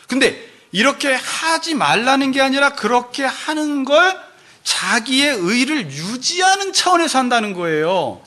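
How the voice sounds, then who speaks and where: A man preaching from the pulpit with a high, bright, lively voice that swoops up and down. He is animated and often drops into little acted-out voices of churchgoers to make his point. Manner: animated, acts out congregants' voices in quotes. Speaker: pastor. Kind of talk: sermon.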